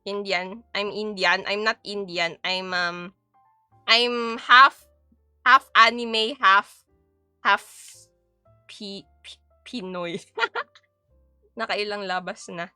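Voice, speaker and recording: A woman's voice: medium pitch, very slow, pauses often, pushed and bright, smooth, no room sound, soft background music. A young Filipino woman with a mixed Filipino accent, chatting playfully on a live stream while she cooks and switching between Tagalog and English. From Philippines. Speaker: VTuber streamer. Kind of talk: casual live-stream chat while cooking.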